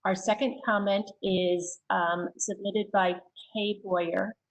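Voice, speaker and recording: At a school board meeting, a woman with a mid-range voice slowly reads written public comments aloud. Her delivery is steady and plain, with a few hesitant asides, and the recording is muffled.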